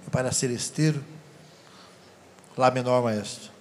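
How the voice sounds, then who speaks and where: A man preaching a sermon, telling personal stories to a live audience in an animated, laughing way. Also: medium pitch, a little slow, slight background noise. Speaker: deacon preacher.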